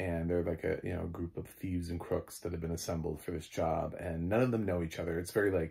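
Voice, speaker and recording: Hardly pausing, a man talks very fast in a very deep, somewhat breathy voice with a dark, mellow tone and fairly even intonation. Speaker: movie reviewer. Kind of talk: casual film review. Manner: hesitant, many fillers.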